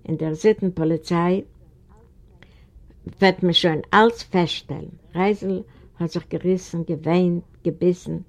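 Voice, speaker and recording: A woman from Eastern Europe narrates a storybook in a low, gravelly voice. Her reading is steady and deliberate. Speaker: audiobook reader.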